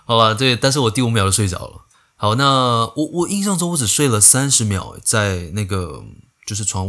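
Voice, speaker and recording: A young man hosting a casual storytelling podcast, animated and acting out bits of dialogue, dropping in English phrases. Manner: animated, acts out dialogue with pitch jumps, mixes in English phrases. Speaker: podcast host. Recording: slightly poor audio quality.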